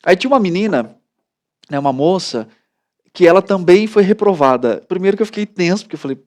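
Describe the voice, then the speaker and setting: A man in his thirties, a pastor with a Brazilian Portuguese accent, speaks fast in a high-pitched voice. He tells stories animatedly in casual studio talk, sprinkling in plenty of "né" tags.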